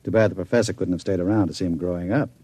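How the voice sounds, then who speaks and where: A sneering gang boss. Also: male voice, sits low, steady tone, very fast, warm tone, no room sound. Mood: smooth. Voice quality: smooth, menacing and sardonic. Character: cold, scheming male gang boss. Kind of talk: 1940s radio acting.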